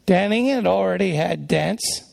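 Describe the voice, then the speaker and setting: Soft-spoken, very gravelly man preaching. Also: high-pitched, measured pace, no echo. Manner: soft-spoken, folksy and rambling. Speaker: pastor. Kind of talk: conversational sermon with personal stories.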